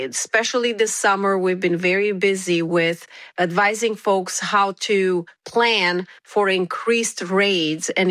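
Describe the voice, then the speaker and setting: A woman from Romania speaks as an immigration attorney. She answers questions in a measured, careful way, filling her pauses with "uh" and "um". Her voice is dry and close, with no room sound. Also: mid-range voice, a bit bright, dry recording. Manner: measured, with frequent filler pauses. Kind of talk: interview answers.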